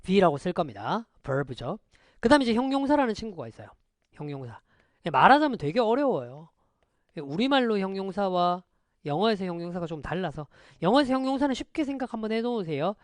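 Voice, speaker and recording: A man teaching an online lecture, quizzing students with quick rhetorical questions and switching between polite and casual speech. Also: high voice, sing-song, no echo, clean studio sound. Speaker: English teacher.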